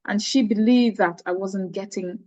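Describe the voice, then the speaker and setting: A middle-aged woman speaks in a mid-pitched voice, recounting her life story earnestly with frequent restarts. The sound is dry and close, with no room echo. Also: normal speed, warm tone, lo-fi sound. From Cameroon. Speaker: charity founder, guest. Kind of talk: personal story in interview.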